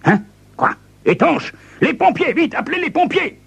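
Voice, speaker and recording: A man's voice: a little high, sing-song, normal speed, slightly rough, pitched above the performer's own voice. A man doing a jumpy, officious police lieutenant. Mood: panicked. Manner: polite but increasingly panicky.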